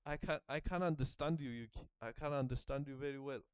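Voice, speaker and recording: Speaking at medium pitch and a little fast, a smooth-voiced man practices aloud while studying a language; his first language is German. He stumbles, repeats words as he works them out and laughs softly at himself. The sound is dry and slightly muffled, without room sound.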